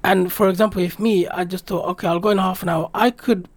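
Talking fast in a high, steady voice, a man from Britain recounts a personal trip during a radio interview. English is his first language, and he comes across as earnest, reflective and rambling; there is no echo.

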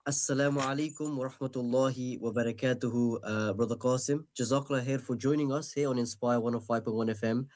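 A man's voice: mid-range voice, steady tone, quick pace, hardly any pauses, a little mellow. Courteous male radio interviewer. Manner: courteous, hesitant with fillers. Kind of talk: formal radio interview introduction.

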